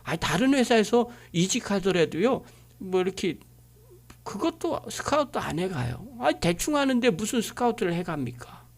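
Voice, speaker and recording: A woman's voice: mid-range voice, big pitch swings, moderate pace. A woman pastor delivering a sermon, driving her points home with frequent rhetorical questions.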